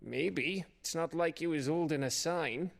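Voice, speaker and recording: An actor playing a scrappy, battered but defiant scout in a fantasy game, sardonic and informal. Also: male voice, fairly high pitch, a little slow, gravelly. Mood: weary, sardonic. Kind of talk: fantasy video game voice acting. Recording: faint background noise.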